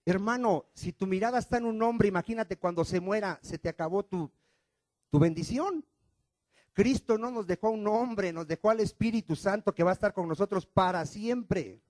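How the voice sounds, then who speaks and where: Preaching in a high-pitched voice at normal speed, a male pastor fires rhetorical questions at his congregation. He swings from loud, emphatic statements to quiet ones, and the recording is dry.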